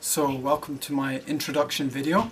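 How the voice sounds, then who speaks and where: Moderate-paced male speech, fairly high in pitch, over noticeable background noise. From UK. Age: 20s. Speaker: English teacher. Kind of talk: self-introduction video. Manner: halting, with many fillers.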